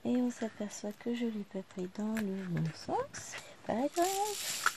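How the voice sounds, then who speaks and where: Despite heavy background noise, this thirtysomething vlogger's high-side voice comes across as very animated yet slow-paced. She chats quietly to the camera in her living room while working on a craft.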